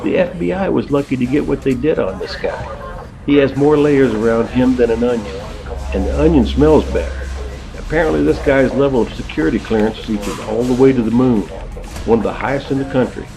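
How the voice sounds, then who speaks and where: A man's voice: mid-range voice, brisk, gravelly, music in the background, natural voice, low-quality recording. A man playing an investigator in an audio drama, briefing a colleague in a wry, conversational way. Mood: wry, intrigued.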